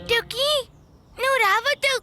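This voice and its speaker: A performer voicing an excitable, caring little child in a cartoon, with a squeaky, expressive delivery. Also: measured pace, music in the background. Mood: urgent. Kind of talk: cartoon character dialogue.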